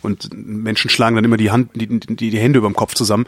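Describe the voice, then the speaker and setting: A man's voice: lowish voice, little pitch movement, quick pace, no room sound. A man hosting a podcast, chatting casually and bluntly, reading out listener questions. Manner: blunt, swears casually, reads listener mail aloud. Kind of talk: casual chat.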